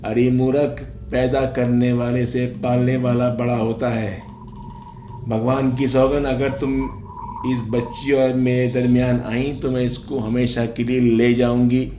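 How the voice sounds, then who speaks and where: A man's voice: mid-range voice, monotone, mellow, a little hiss or hum, natural voice. A man voicing a vengeful female ghost. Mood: menacing. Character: vengeful ghost of a woman burned alive. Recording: echoey room, faint music.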